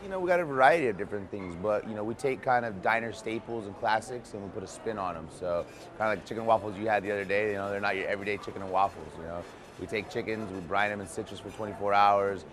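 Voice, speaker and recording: A man's voice: fairly low pitch, fast, crowd noise. A man speaking casually and informally as a restaurant chef explaining his work. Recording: clear background noise.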